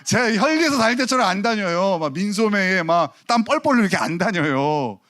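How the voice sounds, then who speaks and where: A male pastor in his forties delivering a Sunday sermon in a church. His voice sits a little high and swings widely in pitch as he tells stories. He slips into quoted voices and pokes fun at himself. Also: a little fast. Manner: storytelling with lively quoted voices and self-mocking humor. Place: church sanctuary.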